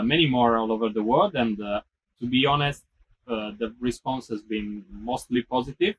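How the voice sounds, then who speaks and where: Man, husky, band guest, steady explaining. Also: mid-range voice, low-quality recording. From Italy. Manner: steady, explanatory, light fillers. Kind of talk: casual interview answers.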